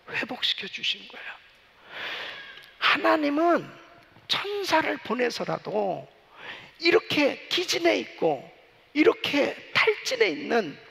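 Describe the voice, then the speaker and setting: A man's voice: very high voice, vocal fry, sharp tone. A male pastor preaching a sermon in a church sanctuary, telling stories animatedly with frequent asides to the congregation. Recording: long church reverb.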